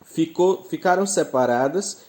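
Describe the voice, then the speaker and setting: A man's voice: a little high, a little slow, darkish tone. A man with a Brazilian Portuguese accent teaching a grammar lesson, explaining patiently and stressing the example words.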